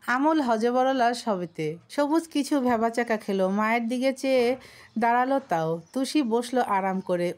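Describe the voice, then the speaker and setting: A woman's voice: on the high side, a little mellow. A woman storyteller reading a romantic audio story as scripted narration.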